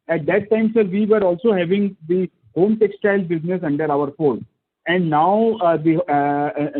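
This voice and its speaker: A man with an Indian accent asking questions as an investor on a conference call, halting, stammering and deferential. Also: fairly high pitch. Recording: thin, narrow phone line.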